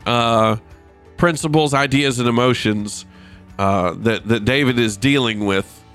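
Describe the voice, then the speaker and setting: A man's voice: medium pitch, fairly bright tone, clear, resonant tone. Guy hosting a casual faith podcast, stuffed up sinuses, nasal like he's pinching his nose, folksy and informal, music behind him. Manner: informal, self-deprecating, folksy. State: blocked sinuses. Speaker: Christian podcast host. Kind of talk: casual devotional podcast talk. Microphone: close podcast microphone.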